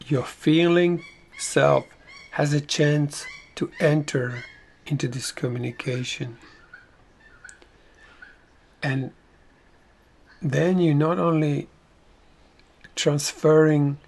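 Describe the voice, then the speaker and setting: A man from Slovakia with a Slovak accent, giving a slow spiritual talk, pausing to search for words and dropping to whispers. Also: fairly high pitch, creaky, darkish tone, breathy edge. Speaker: spiritual teacher.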